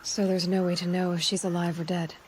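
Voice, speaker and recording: A woman's voice: lowish voice, flat delivery, brisk, slight background noise, close to an everyday voice. A young woman playing a determined, guarded young tribal huntress in a video game, with a direct, questioning manner. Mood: inquiring, direct. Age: young adult. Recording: music behind the voice.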